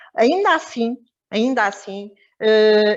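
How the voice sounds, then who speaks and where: A woman talks at a fairly high pitch. The background is quiet. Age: 50s. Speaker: teacher. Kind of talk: panel discussion. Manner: hesitant, with frequent fillers.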